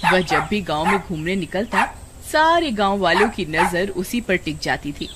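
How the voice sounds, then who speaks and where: A woman giving scripted storybook narration in an expressive storytelling manner, over loud background noise. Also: on the low side, moderate pace.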